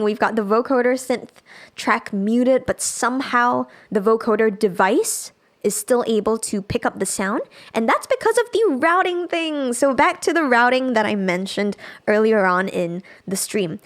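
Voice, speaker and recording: Speaking at a fairly high pitch, a woman who teaches music production gives a casual live software tutorial. She thinks aloud as she demonstrates.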